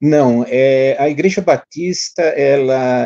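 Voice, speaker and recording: A man's dark, mellow voice at medium pitch, very slow, with ordinary pitch variation and a quiet background. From São Paulo city, Brazil; Brazil. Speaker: Baptist pastor. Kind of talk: live-stream debate. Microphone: video call.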